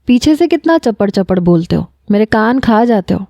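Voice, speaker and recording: A woman voicing a chatty, cheerful young sister-in-law who coaxes and teases in a lively way. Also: fairly high pitch, no echo.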